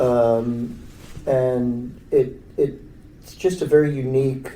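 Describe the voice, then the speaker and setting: A man speaks with audible room echo. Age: 60s. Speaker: specialty pharmacy worker. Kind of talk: casual interview. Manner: hesitant, many fillers.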